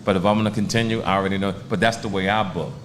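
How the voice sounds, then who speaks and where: A man's voice: lowish voice, fairly even intonation, rapid-fire, slight background noise. A man in his sixties, a stand-up comedian telling stories in a laid-back, streetwise way during a casual interview. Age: 60s.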